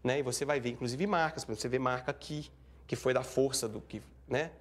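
A man recounting a tense event in an interview, animated and acting out what people said. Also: mid-range voice, fast talker. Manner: animated, acts out shouting and quoted speech. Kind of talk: emotional first-person account.

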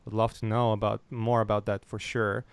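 Guy hosting a chat, lots of um's and restarts, smooth clear voice, super dry mic. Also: lowish voice, level tone, fairly quick, no echo. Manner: hesitant, lots of restarts and fillers, laughs easily. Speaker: podcast host. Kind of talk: casual interview chat.

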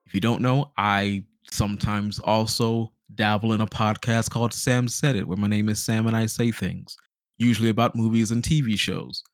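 A man's voice: lowish voice, steady tone, normal speed, no room sound. A man hosting a podcast in a casual, slangy chat, acting out little imagined quotes as he talks. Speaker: podcast host.

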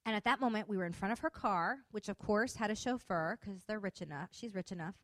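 A woman's voice: mid-range voice, fast, no room sound. A woman in her thirties, a Christian speaker, animatedly retelling a personal testimony with acted-out dialogue.

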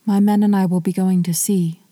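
A woman's voice: mid-range voice, fairly even intonation, fairly quick, mellow, no echo, close to an everyday voice. A woman voicing a proud, stubborn young king. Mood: gentle. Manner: firm, declaiming.

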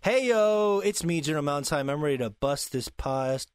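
A man on a podcast panel clowns around with quick gags and playful interruptions. His voice sits a little high and swings widely, recorded close and dry with no room sound. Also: lively intonation, smooth, dry recording. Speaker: podcast co-host. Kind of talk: casual podcast chat.

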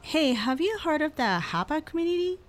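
A woman's voice: high voice, very animated, brisk. A woman as a chatty young student friend. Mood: candid. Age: young adult. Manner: chatty, upbeat.

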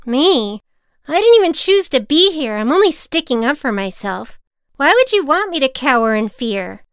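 A stubborn young boy argues his case with indignation, as a woman reads him aloud. The voice sits a little high and is clear. It sounds dry and close. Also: expressive, unhurried, fairly bright tone, no room sound. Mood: defiant. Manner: indignant, argumentative. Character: defiant young boy talking back.

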